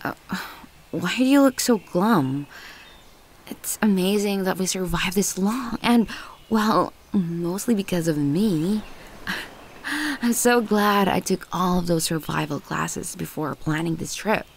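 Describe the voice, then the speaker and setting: A woman playing a possessive, manipulative ex-girlfriend in an ASMR audio roleplay, condescending and volatile, with teasing, lingering, breathy delivery. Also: lowish voice, lively intonation, slow pace, full character voice. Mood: sweet, smug. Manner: condescending, teasing, lingering on words, often breathy half-whispers.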